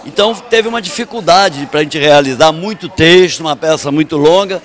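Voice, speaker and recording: An actor talks calmly and modestly about a long dramatized reading. His voice sits fairly high. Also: moderate pace.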